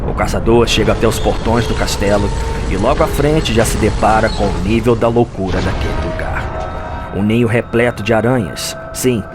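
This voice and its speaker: A grave Brazilian lore scholar acted by a man tells a dark gothic nightmare tale for an audio drama. His voice sits on the low side and his delivery is theatrical. Music plays clearly underneath him. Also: lightly acted. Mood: tense storytelling.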